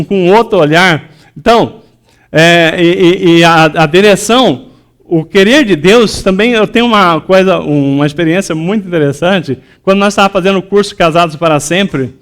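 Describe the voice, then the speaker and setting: A man with a high voice preaches a sermon in a church. He talks loosely, with many fillers and restarts, and he acts out the words of the people in his stories. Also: normal speed, a bit bright, clean tone. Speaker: pastor.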